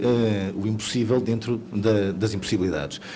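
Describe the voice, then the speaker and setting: The man's dark, mellow tone is heard with audible room echo. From Portugal. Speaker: documentary film director. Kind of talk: book presentation talk. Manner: fast.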